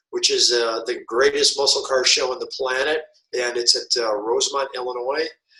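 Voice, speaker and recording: At a moderate pace, a man speaks with a Midwestern American accent. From US Midwest. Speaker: YouTuber, car show host. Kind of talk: interview.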